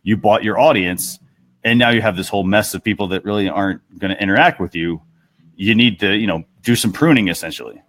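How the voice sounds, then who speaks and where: A man's voice: on the low side, brisk, a bit bright. A man hosting a talk show in a casual, conversational way, speaking on a headset.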